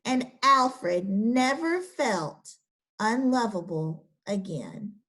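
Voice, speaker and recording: Casting: young woman teacher, storybook read-aloud, high lively voice, unhurried. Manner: slow, expressive storybook reading with lively pitch. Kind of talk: children's picture book read-aloud and lesson.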